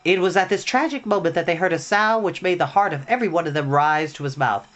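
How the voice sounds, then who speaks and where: A man's voice: a little high, quick pace, fairly bright tone. A man reading a children's storybook aloud in a theatrical, dramatic way. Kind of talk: expressive reading of a children's novel. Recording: music playing behind the voice.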